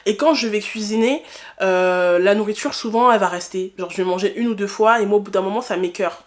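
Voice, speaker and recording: A woman's voice: mid-range voice, brisk. Candid young woman vlogger. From France. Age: 20s. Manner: candid, colloquial, emphatic repetition of phrases. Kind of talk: personal reflective vlog, casual talk to camera.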